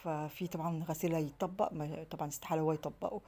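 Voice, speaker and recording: A woman's voice: deep voice, steady tone, very fast, mellow. A woman with an Egyptian Arabic accent, telling stories in a casual home vlog and rambling on as she acts out the dialogue. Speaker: home vlogger.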